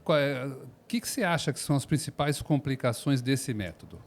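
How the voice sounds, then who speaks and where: Man from São Paulo, mid-pitched voice, podcast host, friendly, lots of short acknowledgements. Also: lively intonation, brisk. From São Paulo, Brazil. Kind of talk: podcast interview.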